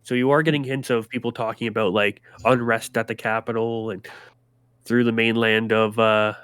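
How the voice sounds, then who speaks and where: A man's voice: fairly low pitch, level tone, normal speed, a bit bright, smooth, no echo. A man narrating as game master of a tabletop role-playing game, describing the world in a casual, rambling way.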